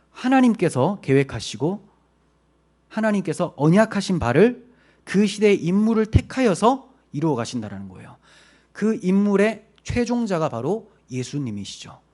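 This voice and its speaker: A man's voice: fairly high pitch, a little mellow. A male pastor giving a midweek sermon, explaining Bible verses and asking rhetorical questions before answering them. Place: church.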